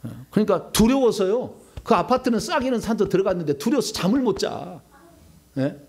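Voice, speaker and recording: A male pastor preaching a sermon, swinging between loud outbursts and hushed asides. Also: high-pitched, big pitch swings, brisk.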